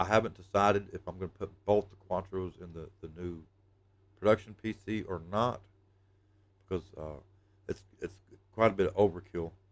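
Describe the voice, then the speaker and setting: This man's voice is very deep and low, with fairly even intonation and a moderate pace. His loudness swings widely, and he takes long, frequent pauses. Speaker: YouTube creator and musician. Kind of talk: casual vlog monologue. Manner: halting, many fillers and repeats.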